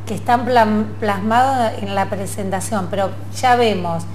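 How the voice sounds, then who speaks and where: A woman's voice: mid-range voice, measured pace, darkish tone, a little hiss or hum. A middle-aged woman with an Argentine accent, interviewing guests conversationally as a TV host. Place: TV studio.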